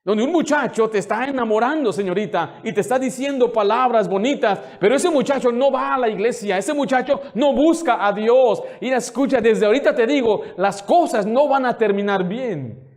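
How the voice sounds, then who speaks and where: A man's voice: very high-pitched, moderate pace, few pauses, darkish tone. A man pastor preaching a sermon, fervent and indignant, firing rhetorical questions at the congregation. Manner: indignant, scolding.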